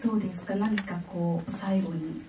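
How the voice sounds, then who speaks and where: A woman's voice: fairly low pitch, fairly even intonation, moderate pace, warm tone, slight background noise. A woman author from Taiwan in a public talk who often laughs while speaking, and who also reads her own piece aloud. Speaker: author at a book event. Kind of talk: public dialogue and reading aloud. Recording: distant, roomy, dull event audio.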